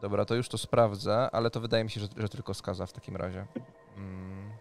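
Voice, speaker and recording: A man's voice: fairly low pitch, little pitch movement, brisk, gravelly, faint music behind. A man in his thirties narrating as game master and giving rulings in a tabletop role-playing session. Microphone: studio mic on a boom arm, close.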